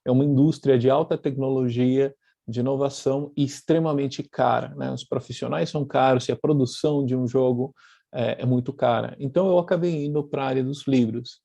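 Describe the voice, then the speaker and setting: A man's voice: medium pitch, steady tone, a little fast, vocal fry, dark tone, no echo, muffled recording. A man from Argentina with a light Argentine accent, giving an online talk over a video call, thoughtful and full of fillers and restarts. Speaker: guest speaker, publisher. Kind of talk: online lecture presentation.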